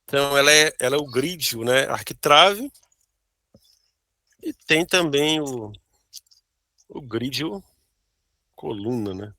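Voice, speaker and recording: A Brazilian man with a bright, forceful voice walks through his board game design, stopping to check in with "né?" and "tá bom?". The sound is dry and close, with no room around it. It comes across as a video call. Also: medium pitch, animated, takes it slowly, pauses often, no room sound. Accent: Brazilian Portuguese. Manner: explains with frequent "né?" and "tá bom?". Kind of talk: casual interview chat.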